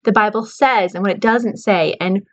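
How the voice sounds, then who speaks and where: A woman's voice: mid-range voice, moderate pace. Earnest woman vlogger, slightly dull sound. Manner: earnest, worried, addresses viewers as guys. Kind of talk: casual talk to camera.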